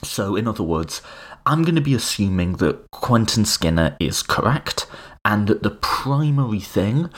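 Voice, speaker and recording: Brief: male podcast host, husky and animated, conversational lecturer with dry humor. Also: fairly low pitch. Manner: conversational lecturing, wry asides. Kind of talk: lecture-style podcast on political thought.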